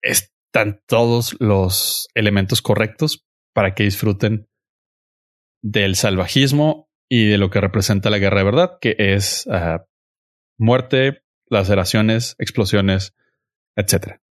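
A man's voice: fairly low pitch, slow, dry recording. Slangy Mexican man, dry close mic. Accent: Mexican Spanish. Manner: slangy, opinionated, insistent. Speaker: podcast host. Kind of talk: casual chat reviewing a series.

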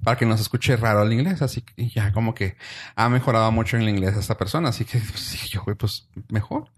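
Chatting fast and full of slang, this Mexican-accented man co-hosts a podcast with lots of animation, now and then launching into squeaky, high-pitched impressions.

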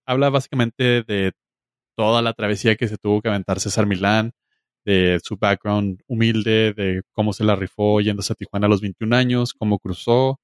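A man's voice: fairly low pitch, steady tone, moderate pace, clean tone, dry recording, studio quality. A man from Mexico with a Mexican Spanish accent, chatting casually as a podcast host in slangy, joking language. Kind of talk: casual chat.

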